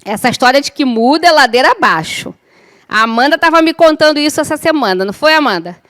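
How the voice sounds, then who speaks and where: A woman's voice: sits high, animated, fast, a bit bright. A middle-aged woman teaching a spiritist course to a class in an informal, chatty way, with joking asides and many tag questions.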